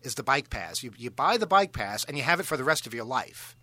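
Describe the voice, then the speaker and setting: A man hosting a radio talk show, telling a long self-deprecating story in a halting, rambling way. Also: medium pitch, very animated, bright, forceful tone, dry recording. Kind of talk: casual on-air storytelling.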